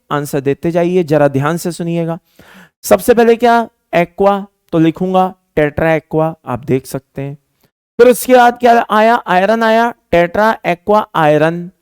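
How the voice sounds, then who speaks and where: A male chemistry teacher gives a lecture in a mix of Hindi and English, with a smooth, clear voice. He dictates at an unhurried pace and repeats each term so students can copy it. The sound is dry and close. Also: sits high, no room sound. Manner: slow dictation, repeating terms for students to write; calls students "beta", patient and explaining.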